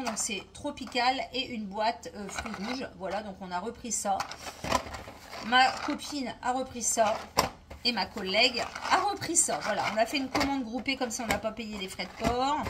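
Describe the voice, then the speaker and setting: Against a noisy background, a middle-aged vlogger with a fairly high-pitched voice chats through a casual daily vlog at home indoors. She rambles and hesitates often.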